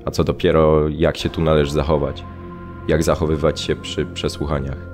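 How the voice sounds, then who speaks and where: An actor playing a sombre former political prisoner, recalling his past in a measured, reflective radio drama monologue. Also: a bass voice, flat delivery, music in the background. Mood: grave, reflective.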